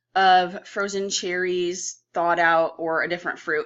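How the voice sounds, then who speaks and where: Here is a woman with an unremarkable speaking voice and a fairly low pitch. Her pace is moderate. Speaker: diet vlogger. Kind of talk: casual vlog. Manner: rambling with many fillers.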